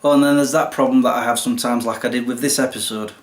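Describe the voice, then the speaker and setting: Young man, chatty, self-deprecating, medium pitch, echoey room at home. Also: fairly even intonation, fast. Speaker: YouTube creator. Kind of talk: casual behind-the-scenes explanation. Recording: roomy echo.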